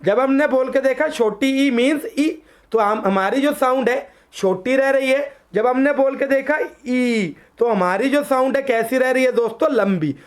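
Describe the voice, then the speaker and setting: A woman with a high voice leads an exam coaching lesson, drawing out letter sounds slowly so viewers can copy them. She asks her own quiz questions and drops her voice to give each answer. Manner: poses quiz questions, then answers them herself in a lower voice; addresses viewers as friends. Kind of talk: online exam-prep lesson.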